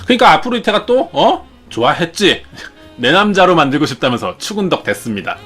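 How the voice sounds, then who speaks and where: A man's voice: fairly high pitch, sing-song, fairly quick, sharp tone, slightly rough, faint music behind. A man retelling myths in a chatty, jokey, casual way as a show host. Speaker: storyteller host. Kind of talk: casual storytelling.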